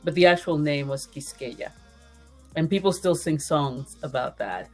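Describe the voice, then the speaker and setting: A woman from the Dominican Republic whose first language is Spanish, talking as a podcast guest in an animated, earnest way and laughing often. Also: deep voice, a little slow, faint music behind. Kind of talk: casual interview conversation.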